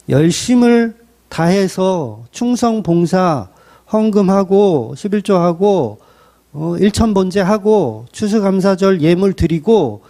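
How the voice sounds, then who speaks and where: A man preaching a sermon as pastor, blunt and colloquial, acting out quotes in a lively way. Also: high-pitched.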